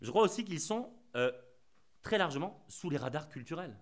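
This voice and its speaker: Guy giving a lecture, ironic and emphatic, pitch bouncing all over. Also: lively intonation, moderate pace. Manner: ironic, emphatic, repeats key phrases. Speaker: conference speaker. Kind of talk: lecture at a conference.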